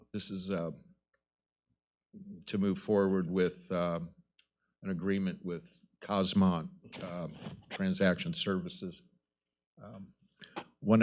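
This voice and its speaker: A man speaking as a council member, putting formal questions to staff in a halting, deliberate way. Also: sits low, a little mellow. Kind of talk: formal questioning at a public meeting.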